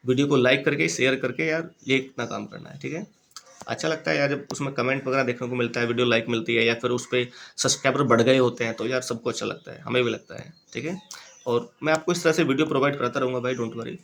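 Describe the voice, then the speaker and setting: A young man teaching English literature for exams in a casual lecture, explaining in Hindi, reading English titles out slowly and repeating key points in a chatty, informal way. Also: mid-range voice, steady tone, vocal fry, a bit bright, a little hiss or hum. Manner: chatty and informal, keeps addressing listeners as "bhai" and "yaar". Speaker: exam-prep literature teacher. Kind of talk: casual lecture over slides.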